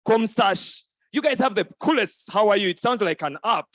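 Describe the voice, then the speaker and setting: A man hosting a live event on stage, playful and quick to laugh as he teases the crowd into repeating greetings. His voice sits high for a man. The sound is dry and close, with little room echo. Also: lively intonation, fairly bright tone. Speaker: event host. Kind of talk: lively crowd interaction. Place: conference hall stage.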